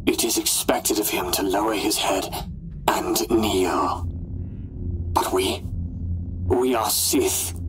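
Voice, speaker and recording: A man voicing an ambitious, brooding Sith Inquisitor in a pompous, deliberate, theatrical monologue for a scripted audio log. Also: fairly low pitch, background noise. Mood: indignant. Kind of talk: scripted in-character log narration.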